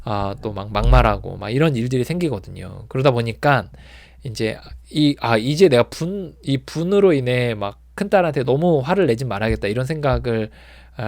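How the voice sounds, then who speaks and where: A man giving a loose, rambling talk on addiction recovery, his voice gravelly with a lot of fry. He sits at a middle pitch and speaks close to the mic in a dry, dead-sounding room. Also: no echo. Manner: rambling, many filler words and restarts; acts out shouting people when retelling. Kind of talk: informal talk to viewers.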